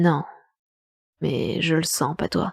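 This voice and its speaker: A raspy put-on character voice at a middle pitch. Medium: read story. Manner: blunt, impatient.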